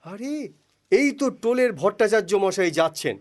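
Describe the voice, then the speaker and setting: An actor playing a witty, sly village jester in a cartoon, theatrical and full of teasing mock-innocence. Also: male voice, high voice, lively intonation, normal speed. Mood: mock amazement, teasing. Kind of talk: cartoon character acting. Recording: music bed behind the voice.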